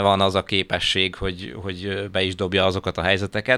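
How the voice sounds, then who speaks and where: A man's fairly low voice at a moderate pace. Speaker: sports journalist. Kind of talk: casual chat. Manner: halting, many fillers.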